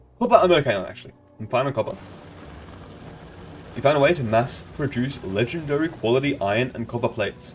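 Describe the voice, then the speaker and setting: A man talks at a very fast pace over music in the background, with long, frequent pauses and big swings in loudness. His medium pitch shows ordinary variation. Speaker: gaming streamer. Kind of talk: live gameplay stream. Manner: casual, thinking aloud.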